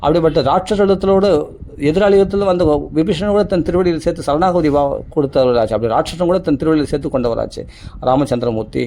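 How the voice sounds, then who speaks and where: A man's voice: on the high side, quick pace, warm tone. A man giving a devotional discourse, emphatic and repetitive, asking many rhetorical questions. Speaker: religious speaker.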